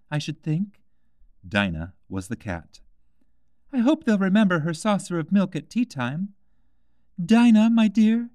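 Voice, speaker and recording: A man reading a children's classic aloud as an expressive audiobook narrator. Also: fairly low pitch, no echo, clean studio sound.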